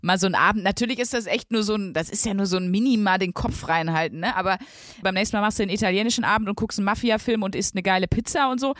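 A woman's voice: mid-range voice, rapid-fire, fairly bright tone, no room sound, clean studio sound. Chatty woman co-hosting a podcast. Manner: chatty, searching for words with fillers. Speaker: podcast co-host. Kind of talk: casual chat.

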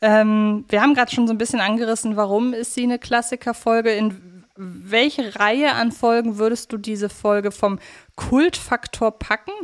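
A woman's voice: a little high, fairly even intonation, moderate pace. Woman chatting as a podcast co-host. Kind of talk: casual podcast discussion.

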